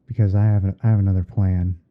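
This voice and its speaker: A man playing a gentle, easygoing TV painting instructor in a halting, murmured ASMR livestream roleplay. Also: deep voice, flat delivery, phone-quality sound, natural voice. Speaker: livestream host. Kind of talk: ASMR roleplay livestream while editing images.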